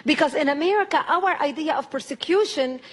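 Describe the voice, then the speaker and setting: A middle-aged woman from Lebanon, giving a testimony speech to a church audience in a measured, emphatic way with deliberate pauses. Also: high voice, a little hiss or hum. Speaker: guest speaker.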